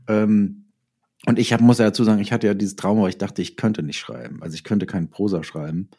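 A middle-aged man talks in a relaxed interview setting. His voice sits fairly low and is very mellow and dark. He reflects as he goes, often restarting a phrase to find the right word. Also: fairly quick, breathy edge. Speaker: interview guest, novelist and former advertising copywriter.

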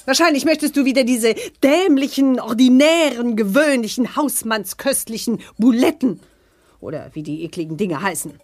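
A woman's voice: on the high side, expressive, moderate pace, a little mellow. A woman playing a haughty, scolding witch wife in a 1980s children's audio drama, disdainful and emphatic. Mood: scornful, scolding. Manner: disdainful, emphatic, spitting out each adjective.

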